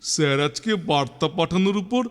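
A man voicing a clever, eager cartoon schoolboy who panics easily, with exclamatory, drawn-out delivery. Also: a little high, animated, lightly acted. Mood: eager, scheming. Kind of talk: children's cartoon dubbing. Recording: long reverb, clear music behind.

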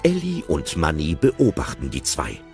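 A man calmly narrating the action in a German audio drama. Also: rumbling low, unhurried, soft background music. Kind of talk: scripted narration of a radio play.

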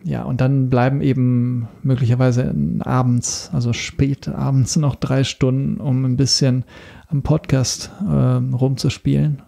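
Very mellow, creaky-voiced man. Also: mid-range voice. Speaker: podcast guest. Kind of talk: casual chat.

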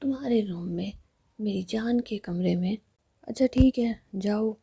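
A woman voicing a wry, shy young woman in love, speaking softly and half whispered. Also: mid-range voice, measured pace, vocal fry, slightly rough, full character voice. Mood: tender.

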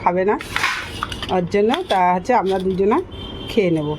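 A woman's voice: mid-range voice, moderate pace. Woman vlogging, noisy home recording. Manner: repetitive, explaining each step to viewers. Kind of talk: casual vlog chat.

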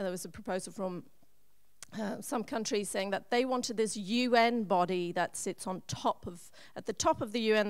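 A young woman speaking as a panelist on a conference stage, talking quickly and fluently with frequent "you know" into a handheld mic. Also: medium pitch, clean tone, no echo. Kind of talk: panel discussion. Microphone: handheld microphone.

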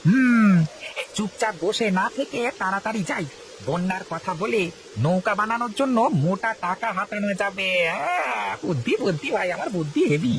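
A man voicing a sly, greedy male servant in a cartoon, wheedling with lively swings of pitch. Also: normal speed, creaky, a little hiss or hum, full character voice, poor audio. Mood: scheming. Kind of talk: cartoon voice acting.

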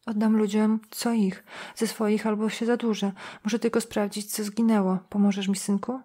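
A woman reading the lines of an anxious, worn-out mother who runs a small pawnshop, speaking quietly. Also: mid-range voice, flat delivery, moderate pace, slightly rough, close to an everyday voice. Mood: shaken. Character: frightened, worn-out older mother, pawnshop owner.

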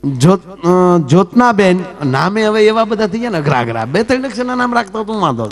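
Man, stage comedian, chatty and teasing the crowd, quick asides, mains hum in the background. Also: high-pitched, very animated, faint music behind. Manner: chatty, teasing the audience, jumps between jokes and asides. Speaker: folk comedian and storyteller on stage. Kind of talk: live Gujarati folk comedy talk with audience banter.

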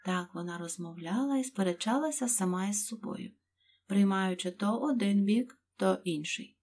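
A woman reading a children's fairy tale aloud, her voice husky and breathy. Calm, soft, even storytelling that carries the scene along. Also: mid-range voice, moderate pace. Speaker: narrator. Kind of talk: audiobook narration of a fairy tale.

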